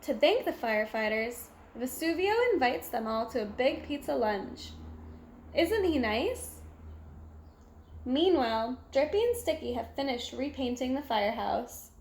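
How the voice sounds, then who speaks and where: Female storyteller for a children's picture book, high voice, expressive delivery, echoey room. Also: a little slow, a little hiss or hum. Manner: animated, exclamatory, acts out sound effects. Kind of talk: expressive children's read-aloud narration.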